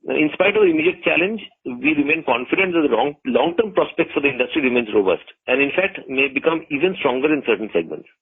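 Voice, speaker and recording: Male, Indian accent, corporate executive, formal scripted delivery, rough-edged voice, narrow phone-call sound. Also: fairly high pitch, expressive, quick pace. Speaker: company executive presenting quarterly results and outlook. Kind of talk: formal prepared corporate remarks, read from script. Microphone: telephone conference call. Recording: muffled tinny conference phone line.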